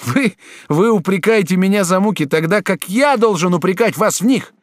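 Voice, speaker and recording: A man's voice: high voice, animated, normal speed, dry recording, clean studio sound, pitched above the performer's own voice. A man reading an audiobook, voicing a torn, agitated young man who resists a duchess. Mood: anguished. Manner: anguished, reproachful.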